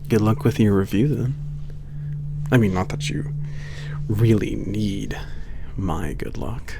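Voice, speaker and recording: Low gravelly man voicing a friendly werewolf coworker. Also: full character voice. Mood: reassuring, casual. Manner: hesitant, rambling, casual joking. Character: friendly, teasing male werewolf coworker on a spaceport. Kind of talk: ASMR roleplay, casual one-sided conversation. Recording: loud steady background hum.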